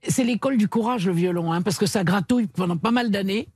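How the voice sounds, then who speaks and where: A woman's voice: mid-range voice, fast talker, a little mellow, husky, no room sound, faint music behind. A woman being interviewed on a radio show as a composer, answering in a cheerful, chatty way. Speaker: musician and composer guest. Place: radio studio.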